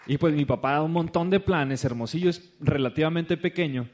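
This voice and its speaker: A man's voice: a little high, fairly quick, a little hiss or hum. A man with a Mexican accent gives a business talk to an audience, telling a story and acting out the people in it. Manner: animated, acts out the people he quotes. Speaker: business speaker.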